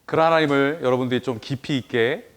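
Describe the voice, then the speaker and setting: A man, a pastor, giving an animated children's sermon, asking listeners questions and often trailing off softly at the ends of phrases. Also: medium pitch, fast. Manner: animated, many rhetorical questions, addresses listeners directly.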